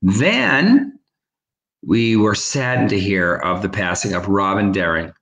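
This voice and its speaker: A man's voice: sits low, animated, gravelly, a bit bright. A man co-hosting a charity livestream from home over a video call, chatting and calling auction bids over and over. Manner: chatty, rapid repetitive bid calling. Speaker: co-host, charity auction caller. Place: home room. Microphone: webcam on a video call. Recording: roomy echo.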